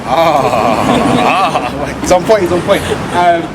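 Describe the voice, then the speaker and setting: A man's voice: on the high side, extremely slow, a loud crowd. Man doing a street tour, chatty, lots of ums, heavy traffic noise. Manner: relaxed, chatty, many ums, laughs easily. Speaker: walking tour guide. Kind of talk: casual outdoor tour talk. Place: busy city street outdoors.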